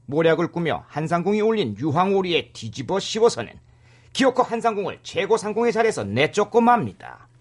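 A man's voice: high voice, sing-song, fairly quick. A man hosting and narrating a drama plot comically, theatrical with chatty asides. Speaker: narrator and host.

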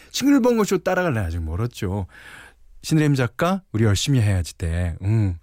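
A man hosting a radio show, relaxed and chatty, often chuckling as he reads listener messages and narrates a story. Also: mid-range voice, no echo, clean studio sound. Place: radio studio. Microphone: studio microphone.

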